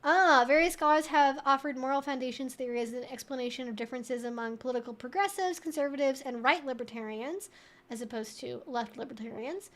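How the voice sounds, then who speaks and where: High-pitched, chatty young woman livestreamer. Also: a little fast. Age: 20s to 30s. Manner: chatty, informal, thinking out loud. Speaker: livestream host answering viewer questions. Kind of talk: casual Q&A livestream chat.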